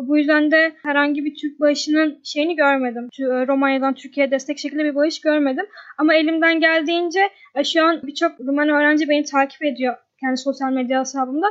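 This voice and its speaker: A woman speaks at a fairly quick pace in a high pitch. Her intonation is monotone and flat. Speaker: volunteer. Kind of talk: interview. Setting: remote call.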